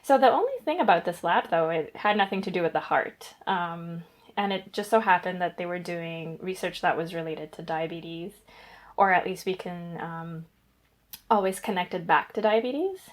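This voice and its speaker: A woman's voice: fairly low pitch, moderate pace. A young woman from Guyana, a guest researcher, answering interview questions in a chatty, rambling way with fillers and self-corrections.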